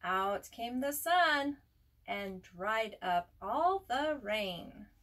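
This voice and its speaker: A woman reading a picture book aloud in an expressive, simple way for young children, as a preschool teacher would. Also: fairly high pitch, drawn-out words. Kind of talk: children's storybook read-aloud. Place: at home. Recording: home recording with faint background noise.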